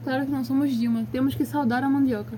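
A woman with a Brazilian Portuguese accent, co-hosting a podcast in casual chat, teasing with quick quips. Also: high-pitched, fairly even intonation, a crowd in the background. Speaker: podcast co-host.

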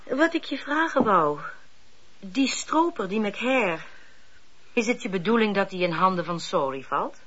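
A woman's voice: mid-range voice, expressive, measured pace, fairly bright tone. An actress playing a shrewd, candid woman who probes and cautions in articulate sentences in a radio drama. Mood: probing. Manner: articulate, probing, admonishing. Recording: dull lo-fi radio recording.

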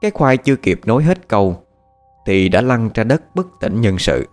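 A man with a low voice narrates a dramatic story. His delivery is measured but rises and falls widely, with soft music playing behind. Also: sing-song. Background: faint background music.

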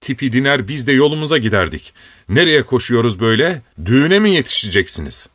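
A man playing a grumbling old manservant who scolds with fussy concern, pitched higher than a plain reading voice. The sound is dry and close, like a storybook servant nagging his master. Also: sing-song, brisk, a bit bright, no room sound. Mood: scolding.

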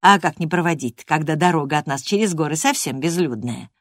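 A woman's voice: low-pitched, animated, a little fast, no room sound, studio quality. A woman voicing a kindly, folksy village housemaid in a storybook reading. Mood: reassuring.

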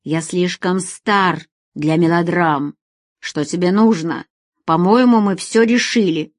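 A weary aging man speaks in slow, curt phrases, tired of quarrels, as a woman reading the story voices him. He is a figure in a spoken audiobook drama, cool and clipped. The sound is dry and close. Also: fairly low pitch, no room sound. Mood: cold.

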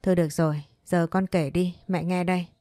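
A woman's voice: lowish voice, fairly even intonation, fairly quick, warm tone, no room sound, studio quality, close to an everyday voice. A woman doing a stern scolding mother. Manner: scolding, brusque. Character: stern, dismissive middle-aged mother.

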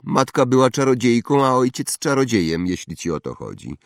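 A man voices a shy young boy, pitching above his own natural voice to deliver curt, cool answers. The sound is mid-range and sing-song at a moderate pace, with studio quality and no echo.

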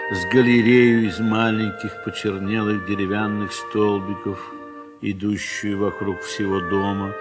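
A man narrates a classic tale in a deliberate, very slow and expressive reading, his voice sitting a little low. Instrumental music plays clearly behind him throughout. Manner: measured, expressive reading with wide swells in pitch and volume. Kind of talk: 1970s audio drama literary narration.

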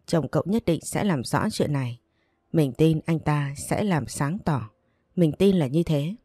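A woman reading an audiobook and voicing a young female friend who is protective and quick to anger on her friend's behalf. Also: sits low, lively intonation, mellow, breathy edge, dry recording, clean studio sound, full character voice. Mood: soothing. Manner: consoling, then outraged.

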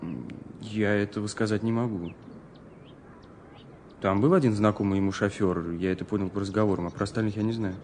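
An actor playing an earnest, troubled young student who speaks haltingly and seriously in an audio drama. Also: male voice, lowish voice, steady tone, a little mellow, a little hiss or hum, lightly acted. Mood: defensive. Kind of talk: Russian audio drama acting.

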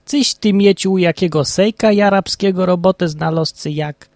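A man voicing a gruff old highland shepherd boss in a Polish highlander dialect, loud and exclaiming. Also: moderate pace, dry recording, studio quality, natural voice.

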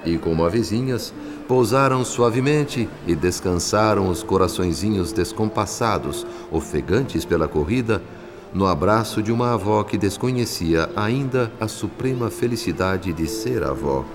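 An actor with a Brazilian accent playing a gentle, reflective spirit who narrates a radio drama in a measured, solemn way. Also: male voice, on the low side, animated, lightly acted. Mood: tender, solemn. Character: gentle, reflective male spirit narrator telling a family's story. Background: background music.

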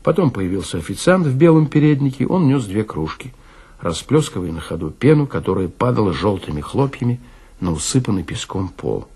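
A man narrating a first-person literary story in an expressive, scripted style. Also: fairly low pitch, husky.

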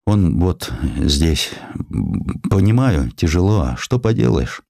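A man acts out an old army medic for an audiobook. He is low-voiced, folksy and apologetic, speaking haltingly in a very dry recording. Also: sing-song, creaky, dark tone, no echo, heavily acted. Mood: apologetic, subdued. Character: old male army medic, apologetic, plain-spoken, kindly.

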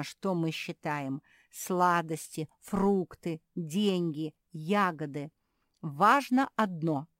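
A patient older sister creature from a storybook, explaining each point slowly and carefully, as a woman puts her on. Her voice sits somewhat higher than plain talk, in a dry close recording. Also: no echo.

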